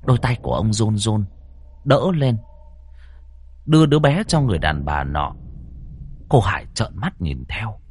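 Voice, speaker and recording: Expressive male storyteller. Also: lowish voice, normal speed, long pauses, breathy edge. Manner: dramatic, expressive. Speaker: narrator. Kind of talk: storytelling narration of a ghost tale.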